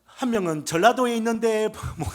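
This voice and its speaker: Middle-aged pastor w/ gyeongsang accent, pretty high voice, preaching loud then dropping to a murmur. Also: male voice, fairly quick. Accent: Gyeongsang Korean. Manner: emphatic preaching, swings from loud proclamation to hushed murmur. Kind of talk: revival sermon.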